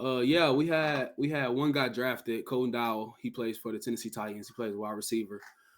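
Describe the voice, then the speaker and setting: He speaks in a normal speaking voice at medium pitch, with ordinary pitch variation. His pace is fairly quick, with hardly any pauses. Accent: American. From US Midwest, Detroit, Michigan. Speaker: college football player, draft prospect. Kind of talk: podcast interview.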